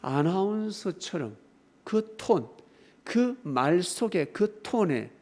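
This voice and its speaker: A male pastor preaching a sermon, emphatic and swinging between loud exclamations and softer asides, often asking the congregation rhetorical questions. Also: high-pitched, big pitch swings, takes it slowly.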